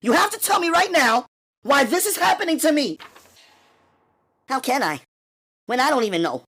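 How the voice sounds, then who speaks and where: A man voicing a tough, streetwise young New woman who talks brashly and fast. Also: very high-pitched, sing-song, pushed and bright, voice pushed up, full character voice. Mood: frantic. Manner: brash, rapid-fire, indignant. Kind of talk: audiobook character voice.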